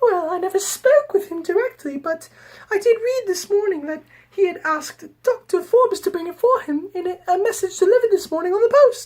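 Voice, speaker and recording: A put-on character voice at an extremely high pitch, fairly quick and lively in intonation. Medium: solo performance. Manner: hesitant, stammering.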